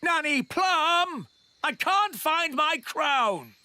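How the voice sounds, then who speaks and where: Flustered british fairy king in a kids cartoon, bright loud bellow, high voice. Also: lively intonation, drawn-out words, dry recording, heavily acted. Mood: flustered, demanding. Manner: bellowing, helpless. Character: bumbling, demanding fairy king. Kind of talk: children's cartoon acting.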